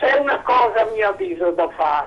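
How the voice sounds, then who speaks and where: Over noticeable background noise, a man speaks at a moderate pace in an extremely high pitch that swings very widely. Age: 80s+. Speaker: caller. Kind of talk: phone-in opinion. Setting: phone call.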